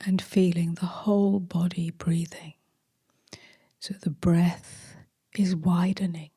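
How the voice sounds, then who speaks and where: Slow, breathy woman guiding meditation. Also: lowish voice, flat delivery, no room sound, clean studio sound. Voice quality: soft, breathy. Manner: gentle, hushed, long pauses between short phrases. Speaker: meditation teacher. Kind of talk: guided meditation.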